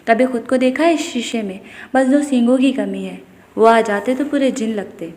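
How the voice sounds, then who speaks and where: A woman's voice: a little high, a little mellow, in a large hall, close to an everyday voice. A woman voicing a young wife who speaks with trembling, childlike innocence. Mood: indignant.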